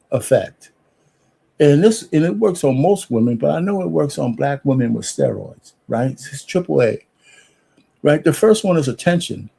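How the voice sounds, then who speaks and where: With an American accent, a man speaks at a moderate pace in a fairly high, somewhat breathy voice. His tone is dark and mellow, and his intonation is lively. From New York. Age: 60s. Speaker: podcast host. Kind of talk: opinion monologue. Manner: animated.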